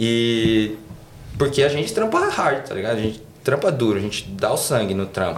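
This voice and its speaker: Speaking at a moderate pace with a medium pitch and ordinary pitch variation, a man is heard with audible room echo and noticeable background noise. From interior of São Paulo state, Brazil. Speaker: pagode musician. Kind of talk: casual chat.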